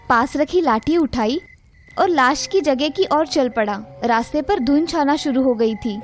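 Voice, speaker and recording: A woman narrating a village ghost story in an even, dramatic scripted reading. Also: high-pitched.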